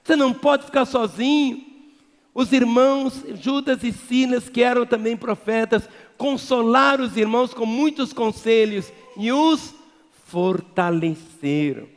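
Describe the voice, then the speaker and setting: A man with a Brazilian Portuguese accent preaching a sermon as pastor, emphatic, swinging between loud exhortation and quiet low asides. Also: measured pace. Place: large church hall. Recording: long reverb of a church hall.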